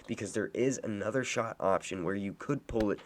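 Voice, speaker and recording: A man with a low voice, hoarse and raspy from being sick, talks viewers through a game course. His delivery is steady and instructive, like a friendly guide. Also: a little fast, slight background noise. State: hoarse from illness. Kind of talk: casual gameplay walkthrough commentary.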